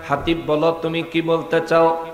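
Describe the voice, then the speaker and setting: A man preaching a sermon as a story, chanting and breaking into sung, shouted cries, voicing the people in the tale. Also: fairly high pitch, monotone, unhurried. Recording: echoey hall with faint music.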